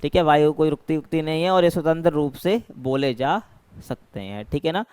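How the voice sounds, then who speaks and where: A man's voice: fairly high pitch, moderate pace, a little mellow, clear, resonant tone, no room sound. Hindi male tutor saying "ठीक है ना" often. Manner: explains step by step, often adds "ठीक है ना" and "भाई". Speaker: teacher. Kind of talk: exam-prep lecture.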